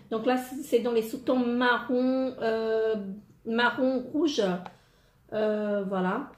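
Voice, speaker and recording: A woman's voice: fairly high pitch, a little mellow. A woman presenting makeup palettes in a casual unboxing vlog, hesitant and full of fillers and repeated words. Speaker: beauty vlogger. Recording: echoey room, faint noise. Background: wind noise.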